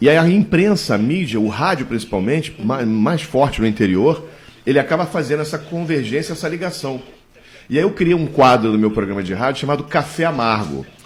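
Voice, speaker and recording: Vocal fry from a man at a fairly high pitch, with lively intonation and a fairly quick pace. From Rio de Janeiro city, Brazil. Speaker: radio broadcaster. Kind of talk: live radio interview. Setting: radio studio.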